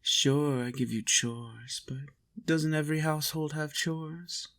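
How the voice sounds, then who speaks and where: Creaky, possessive vampire master, acted by a man. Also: a little high, measured pace. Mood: possessive, doting. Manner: coaxing, teasing, soft menace with chuckles. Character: possessive vampire master, doting, teasing, faintly menacing. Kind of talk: intimate roleplay audio monologue.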